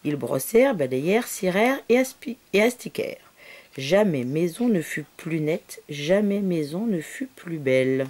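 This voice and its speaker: A woman reading a children's story aloud expressively, with soft whispered asides to the listening child. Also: lowish voice, lively intonation, measured pace.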